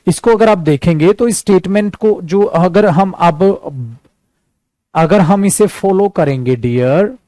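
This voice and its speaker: A male English teacher with an Indian accent runs a class, repeating words and speaking English sentences very slowly. His voice sits a little high but sounds soft and dark in tone. The recording is dry, with no room echo. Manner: addresses students as dear and son, repeats words for drill; slows to a careful crawl for English example sentences. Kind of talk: online spoken-English class.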